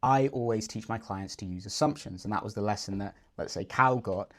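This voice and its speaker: A man's voice: on the low side, brisk, a bit bright. A man working as a dating coach, confidently explaining and breaking down a client's approach. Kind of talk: video breakdown commentary.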